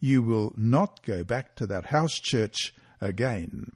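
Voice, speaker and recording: A man's voice: mid-range voice, animated, measured pace, a little mellow, husky, dry recording, studio quality. A man voicing a stern, angry army officer father in a read-aloud story, speaking firmly and commandingly. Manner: firm, commanding.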